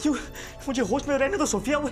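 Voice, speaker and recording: An actor playing a bedridden, paralysed former magician who is middle-aged, bitter and stubborn, giving commands in a mix of Hindi and English. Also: male voice, very high voice, brisk, soft background music. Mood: pleading, desperate. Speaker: patient.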